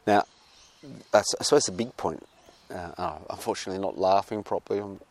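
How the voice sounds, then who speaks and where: A man with an Australian accent giving a casual, reflective monologue outdoors, halting and digressive, often restarting his phrases. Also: sits low. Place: outdoors with birds nearby.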